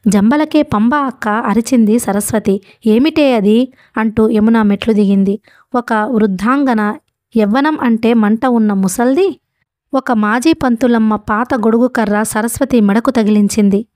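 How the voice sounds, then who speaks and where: Woman, audiobook narrator, steady storytelling, somewhat high pitch, dry close mic. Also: a little slow, dry recording.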